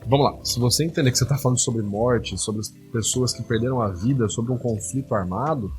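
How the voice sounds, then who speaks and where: A man breaks down a debate in quick, casual commentary. He talks fast, animated and indignant, dropping slang and filler words, with faint music underneath. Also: mid-range voice. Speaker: host analyzing rhetoric.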